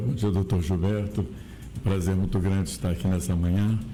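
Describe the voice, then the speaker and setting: Amid noticeable background noise and audible room echo, a man with a very deep, low pitch speaks at a moderate pace with lively intonation. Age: 70s. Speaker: former municipal secretary. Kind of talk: radio talk show conversation.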